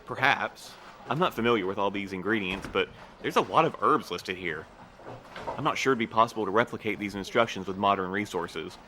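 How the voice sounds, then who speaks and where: An actor playing a guarded, weary postmaster in an audio drama, speaking in a careful, slightly formal, measured way. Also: male voice, on the low side, bright, forceful tone, slight background noise. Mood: measured, thoughtful. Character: guarded, weary postmaster man, evasive but courteous. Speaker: actor in a fiction podcast.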